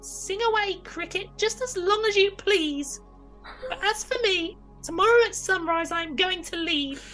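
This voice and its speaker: A man voicing a naughty, insolent wooden puppet boy who is quick to anger, in a childlike put-on voice for a storybook. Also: bright, forceful tone, faint music behind, full character voice, rough recording. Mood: defiant. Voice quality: high-pitched, childlike put-on voice. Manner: defiant, bossy.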